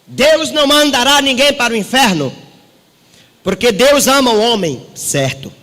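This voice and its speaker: High-voiced preaching man in a hall. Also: animated, normal speed, bright, forceful tone. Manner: preaching with dramatic pitch swings, rhetorical questions. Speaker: pastor. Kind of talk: sermon.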